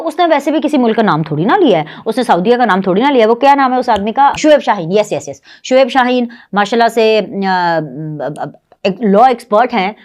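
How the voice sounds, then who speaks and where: A woman in her thirties with a Pakistani Urdu accent, hosting her own show and delivering a heated, mocking political monologue. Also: a little high. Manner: scornful, mocking, animated. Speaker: political commentary show host.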